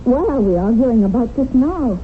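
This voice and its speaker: A woman's voice: on the high side, expressive, normal speed, lightly acted. An actress playing a severe young female revolutionary kidnapper in a radio drama, speaking curtly and formally. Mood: formal, insistent. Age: 20s. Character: stern young woman kidnapper, zealous revolutionary. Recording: tinny, noisy old radio recording.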